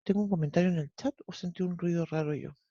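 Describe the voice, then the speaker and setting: A math teacher with a Chilean accent works through a problem in an online class, step by step. The voice is mellow, and the lo-fi audio sounds dry, with no room around it. The teacher keeps checking that the students follow. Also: mid-range voice, fairly even intonation, fast, husky, no room sound. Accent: Chilean Spanish. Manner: explains step by step, often checks with "¿cierto?".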